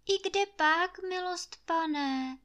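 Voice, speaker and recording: Reading from a storybook, a woman voices a meek but cunning young peasant housemaid, pitching her voice very high and fairly bright, above her natural register. The maid pleads humbly in a sugary, wheedling way.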